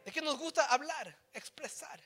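A man with a Latino Spanish accent preaching a bilingual sermon as a pastor, mixing English into his Spanish and swinging between loud, forceful passages and quiet, low emphasis. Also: animated, normal speed, soft background music. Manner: switches between Spanish and English mid-sentence.

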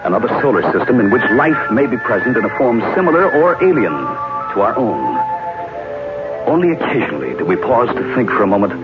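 A man's voice: mid-range voice, big pitch swings, fairly quick, natural voice. A man playing a thoughtful, curious researcher who narrates his story in a 1950s radio drama. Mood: reflective. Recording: muffled old radio recording, loud music.

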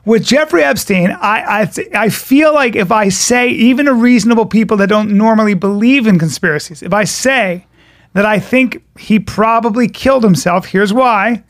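High-voiced male podcast host, dry sound. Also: a bit bright, no echo. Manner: eager questions and quick agreeing interjections. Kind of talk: casual podcast interview.

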